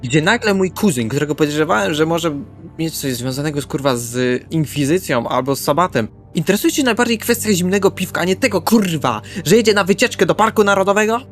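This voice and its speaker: A man's voice: a little high, animated, fast talker, hardly any pauses, a bit bright. Sweary man role-playing over music. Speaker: tabletop role-player. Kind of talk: improvised in-character play with narrated actions, sweary. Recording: music under the voice. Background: background music.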